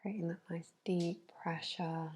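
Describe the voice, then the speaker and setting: A woman whispering a soothing, unhurried ASMR massage narration in a hushed, breathy bedtime voice. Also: lowish voice, steady tone. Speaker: facial massage therapist.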